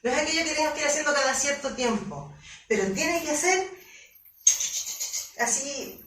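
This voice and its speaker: A woman coach and emotional therapist giving a conference lecture, animated, often stumbling and repeating words as she explains. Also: sits high, moderate pace, slight background noise. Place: conference hall. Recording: roomy echo, mic from far off.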